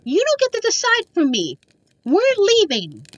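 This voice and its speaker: A woman's voice: extremely high pitch, huge pitch swings, a little slow, dry recording, muffled recording, heavily acted. A woman playing a young, stubborn princess in a fantasy audio drama, speaking insistently and emotionally. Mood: frustrated, resolute. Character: young princess, stubborn, determined to leave home.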